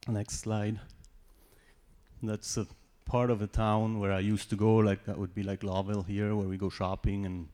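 A man's voice: lowish voice, level tone, moderate pace, dark tone. A man from Switzerland with a Swiss German accent, a native Swiss German speaker, giving a personal testimony in church with informal joking asides.

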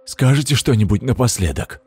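A man voicing a cruel, weakened male master who speaks hoarsely and curtly. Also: medium pitch, lively intonation, fairly quick, darkish tone, no echo, soft background music. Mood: cold. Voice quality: hoarse, strained.

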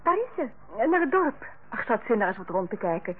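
An actress playing a cheerful, conciliatory household hostess with a reasoning manner, in old radio play style. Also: female voice, on the high side, big pitch swings, fast talker, husky. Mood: pleasant, brisk. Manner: soothing, reasoning. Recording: tinny, noisy old radio recording.

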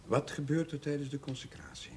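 An actor playing an earnest, easily flustered young Catholic chaplain, soft-spoken, hesitant and proper. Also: male voice, mid-range voice, big pitch swings, fairly quick, slight background noise. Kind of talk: 1970s Dutch television drama acting.

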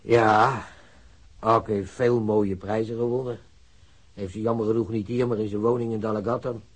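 An elderly working man in a radio play. His voice sits low and husky. He talks plainly, loyal to his son, defensive and worn down by disillusion. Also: fairly even intonation, normal speed, rough recording. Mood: cooperative, slightly proud. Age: older. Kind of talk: naturalistic radio drama acting.

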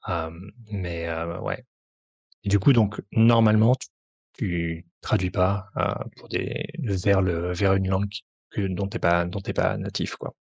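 A man with a low, gravelly, slightly husky voice answers in a halting way, circling back with fillers and restarts. The recording is dry and close. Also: steady tone, a little mellow, dry recording. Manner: hesitant, many fillers and restarts. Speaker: tabletop RPG author, translator and publisher. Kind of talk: conversational interview answers.

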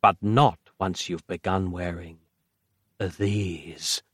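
A man voicing a gloating villainous mastermind, with a theatrical, drawn-out menacing delivery. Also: deep voice, fairly even intonation, a bit bright, slightly rough, no echo, clean studio sound, voice pushed down, exaggerated voice. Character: gloating villainous male bone-obsessed mastermind.

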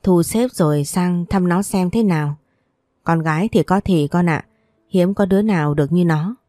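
A woman's voice: lowish voice, moderate pace, warm tone, dry recording, natural voice. A woman voicing an older countrywoman, a fussing and affectionate grandmother who scolds her son.

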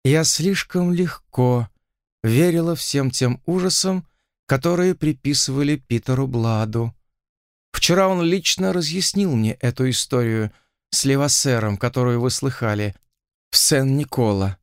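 A man's voice: high voice, sing-song, unhurried, no echo, clean studio sound, pitched above the performer's own voice, heavily acted. A man voicing a young plantation owner's daughter, speaking in a theatrical, pleading and melodramatic way. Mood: lamenting.

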